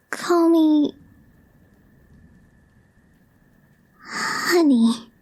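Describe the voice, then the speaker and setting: A woman playing a calm, reserved young girlfriend, shyly smitten, in a soft, breathy, hesitant ASMR roleplay voice that often drops to a whisper. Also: very high-pitched, full character voice. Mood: flustered, bashful. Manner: hesitant, understated, slow with long pauses.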